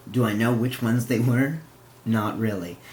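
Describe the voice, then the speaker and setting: A man talks at a moderate pace and a medium pitch. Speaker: YouTuber, speedcuber. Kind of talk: casual vlog recap. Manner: rambling, halting with fillers.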